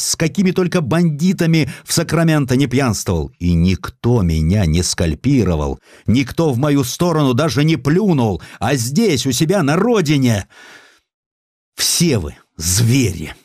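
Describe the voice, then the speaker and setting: A man's voice: mid-range voice, big pitch swings, a little slow, darkish tone, no room sound, clean studio sound, pitched above the performer's own voice. A man playing a proud Russian naval lieutenant and adventurer, declaiming with emotion and indignation in an audio drama. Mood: tearful indignation.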